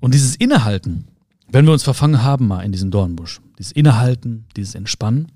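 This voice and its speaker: A man with a warm, mellow voice talks the listener through a quiet self-help monologue. He speaks calmly to them as a friend, circling back to rephrase each point. The sound is close and dry, with no room around it. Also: mid-range voice, a little fast, no echo. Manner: calm, addresses the listener directly, rephrases often. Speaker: podcast host.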